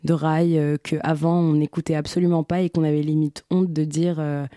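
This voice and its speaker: A young woman from Algeria answering interview questions in a hesitant way, with many pauses and restarts. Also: low voice, level tone, dark tone, no echo, clean studio sound. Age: young adult. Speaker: guest.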